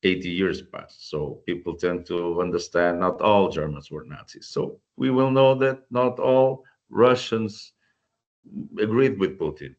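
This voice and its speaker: A man with a Portuguese accent speaks English in a very deep voice, earnest and searching for words as he restarts and repeats himself. His voice comes through a dull, lo-fi video call, and he is clearly a guest on an online panel. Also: measured pace, darkish tone. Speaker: guest volunteer.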